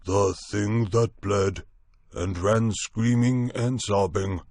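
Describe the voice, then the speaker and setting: Hairy gray beast thing, grave and halting, guy reading it, low slow voice, dry sound. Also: a little mellow, dry recording.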